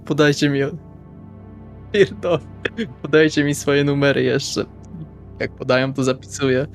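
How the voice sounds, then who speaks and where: A man's voice: mid-range voice, little pitch movement, moderate pace, creaky. A man playing in a tabletop role-play session, improvising casually in and out of character, informal and sweary. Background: faint music.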